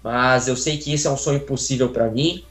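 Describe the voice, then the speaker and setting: A man's voice: medium pitch, moderate pace, fairly bright tone, faint music behind. A man in his twenties with a Brazilian accent, chatting earnestly as an interview guest over a video call from a room at home. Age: 20s. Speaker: interview guest, aspiring voice actor. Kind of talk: casual chat. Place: small plain room at home. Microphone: phone on a video call. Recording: roomy, echoey video-call audio.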